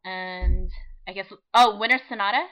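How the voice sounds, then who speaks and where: A woman's voice: medium pitch, normal speed, fairly bright tone, muffled recording. A woman hosting a casual online fan chat, rambling and laughing often as she talks. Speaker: podcast host.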